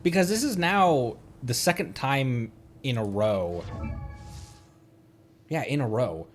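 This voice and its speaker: Male streamer, mid-pitched, casual rambling gameplay chat with stammered restarts, faint music behind. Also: lively intonation, slow. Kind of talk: casual livestream chat while gaming.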